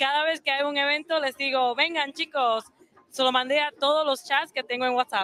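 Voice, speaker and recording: The woman's voice is high in pitch, with fairly even intonation. She speaks at a moderate pace and very even loudness. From New York, US (Dominican-born). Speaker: event attendee interviewed. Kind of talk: casual interview.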